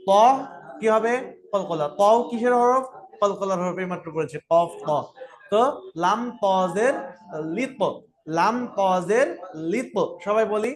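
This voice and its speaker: A man with a fairly high voice leads a Quran reading class, sounding out letters and vowel marks slowly. He keeps asking the class questions and answering them himself, then has everyone repeat each sound back to him. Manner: patient, repetitive, asks and answers own questions. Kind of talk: classroom lesson with call-and-repeat drills.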